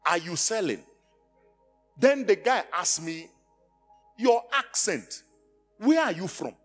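A middle-aged Nigerian pastor preaches with a Nigerian accent, his pitch a little high and swinging widely as he acts out every exchange. He calls out to the congregation to answer back, and soft music plays faintly behind him. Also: big pitch swings, slow pace. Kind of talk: storytelling sermon.

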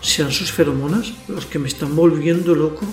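A man's voice: on the high side, a little fast, reverberant, over music, lightly acted. A man playing a lustful, cocky werewolf in an audio drama, narrating his night in a crude, self-satisfied way. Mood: smitten, excited. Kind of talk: audio fiction acting with first-person narration.

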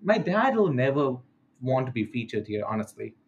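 A man's voice: mid-range voice, sing-song, brisk, highs cut off. Rambling young male podcast host. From Maldives. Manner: rambling, self-correcting, reads questions aloud. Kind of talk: casual chat.

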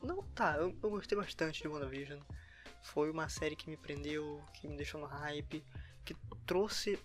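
A man's voice: a little high, normal speed. A Brazilian man giving casual solo commentary for a podcast, speaking informally. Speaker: podcast co-host. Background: background music.

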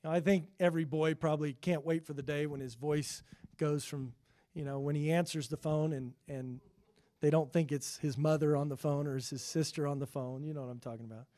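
A middle-aged man preaching a sermon in an earnest way, getting louder when he quotes scripture and quieter for asides; he has a high voice for a man. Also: steady tone, a little fast. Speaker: pastor.

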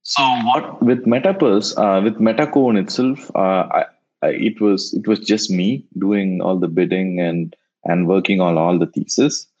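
A man whose first language is Tamil, answering interview questions in a halting way and often repeating words as he thinks. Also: deep voice, a little mellow. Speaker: guest, NFT investor. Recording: dull lo-fi sound.

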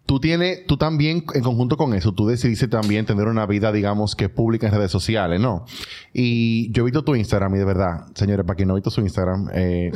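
A man's voice: on the low side, fairly quick, a little mellow. A man in his thirties with a Dominican accent, co-hosting a casual podcast in a slangy, joking way. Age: 30s. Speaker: podcast co-host. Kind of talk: casual chat.

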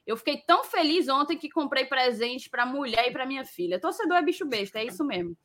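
Bright-voiced Brazilian Northeastern woman with slight lisp. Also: sits high, animated, fast. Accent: Brazilian Northeastern, Ceará. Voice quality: slight lisp, tongue-tied s sounds. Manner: informal, repeats phrases for emphasis. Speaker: host. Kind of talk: casual live chat, reading viewer messages.

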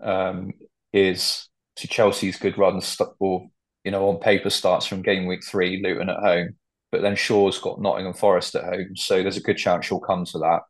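Podcast co-host, male, low flat voice, rambly and hesitant. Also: normal speed, low-quality recording. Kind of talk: casual football chat.

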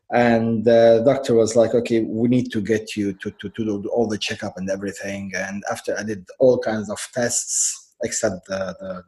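A man, a coach telling his story as a guest in a casual interview, halting and trailing off quietly. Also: fairly low pitch, poor audio. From Lebanon. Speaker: guest, life and business coach.

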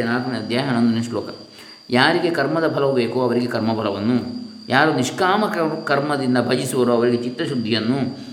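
A man reading a philosophical teaching aloud at a measured pace, slowing down to chant scripture verses. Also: mid-range voice. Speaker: reader of a spiritual text. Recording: roomy echo, faint hiss.

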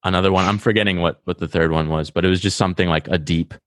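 A fast-talking man with a Rhode Island accent speaks in a low, slightly bright voice with fairly even intonation. It's casual podcast chat, and he's enthusiastic and long-winded, often restarting sentences mid-thought. The recording is dry and studio quality.

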